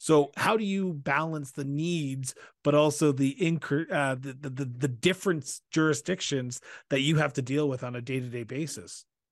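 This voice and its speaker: At a moderate pace, a man speaks with a normal speaking voice, a fairly high pitch and ordinary pitch variation against a quiet background. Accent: Canadian. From Southern Ontario, Canada. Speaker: podcast host. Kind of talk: interview.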